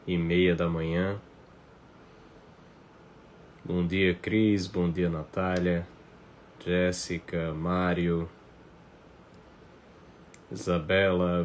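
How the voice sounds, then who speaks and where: Low-voiced northeastern Brazilian man, noisy recording. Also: a little mellow. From Paraíba, northeastern Brazil. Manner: conversational, often adds tag questions. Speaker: teacher hosting a live online class. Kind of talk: informal livestream talk to viewers. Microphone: phone on a stand. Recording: noticeable background noise, phone livestream.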